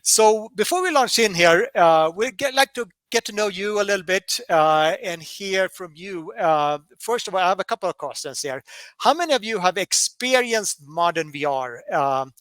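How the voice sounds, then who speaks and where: A man from Colorado presenting a workshop webinar, halting with many fillers and restarts. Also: sits high, animated, fairly bright tone, dry recording.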